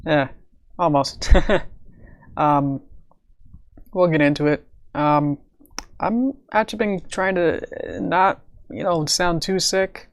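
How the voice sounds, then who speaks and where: A man live-streaming from home at his computer, talking in a rambling, stop-start way with a raspy voice while coming down with a cold. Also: fairly high pitch, slow, long pauses, no echo. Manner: rambling, with many fillers and stammered restarts. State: coming down with a cold, sore throat. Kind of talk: casual live-stream chat.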